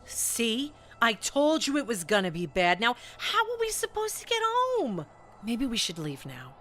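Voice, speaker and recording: A woman's voice: a little high, wildly swooping pitch, unhurried, fairly bright tone, a little hiss or hum, full character voice. A woman playing a fretful, nagging wealthy wife in an audio drama, with a wry, complaining manner.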